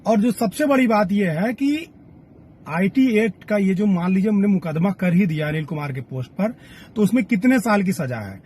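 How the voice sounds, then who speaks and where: A man's voice: high voice, animated, normal speed, darkish tone, a little hiss or hum. A man delivering spoken news commentary, argumentative and fond of rhetorical questions. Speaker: reporter and commentator.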